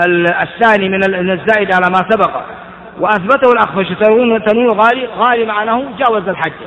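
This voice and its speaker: A man's voice: high voice, a bit bright. Man teaching grammar in a hall. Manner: explains step by step, asks the class questions; chants verse in a sing-song. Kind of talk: classroom lecture on grammar. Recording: dull, hall-like lo-fi recording.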